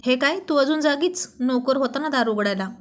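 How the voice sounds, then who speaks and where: A woman's voice: high-pitched, moderate pace, natural voice. Young husband, affectionate and teasing, read by a woman storyteller, spoken-story role. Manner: playful, teasing.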